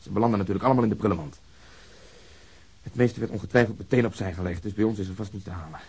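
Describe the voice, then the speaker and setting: Blunt, cynical cop in radio drama; low-pitched, husky, emphatic. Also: male voice, racing, darkish tone. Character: blunt, bitter male police officer, ex-serviceman. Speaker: actor.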